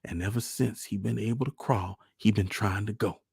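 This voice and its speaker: Man putting on a scolding Southern country mother, raised pitch. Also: moderate pace, creaky, a little mellow, breathy edge, no room sound, clean studio sound, exaggerated voice. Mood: insistent, bitter. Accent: rural Southern US. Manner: scolding, insistent dialect speech. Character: small, wiry, superstitious, fretful country mother.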